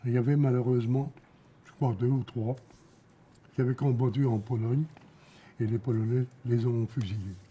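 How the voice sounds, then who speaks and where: An elderly man from Alsace recounting memories as an eyewitness, halting, repeating words and pausing between short phrases. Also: mid-range voice, steady tone, warm tone, slight background noise. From Alsace, France. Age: elderly, around 90. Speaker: war veteran giving eyewitness testimony. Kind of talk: spoken testimony, recounting memories.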